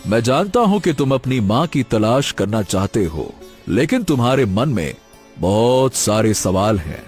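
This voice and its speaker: An actor voicing a wise, mysterious old hermit sage in a cartoon story, speaking calmly and soothingly. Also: male voice, medium pitch, soft background music. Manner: calm, soothing, measured.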